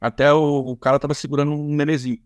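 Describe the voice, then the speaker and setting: A man's voice: a little high, level tone, rapid-fire, clean tone, no echo. A man with a Brazilian accent hosting a casual podcast interview, talking in loose, rambling sentences full of restarts and fillers. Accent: Brazilian Portuguese. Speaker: podcast host.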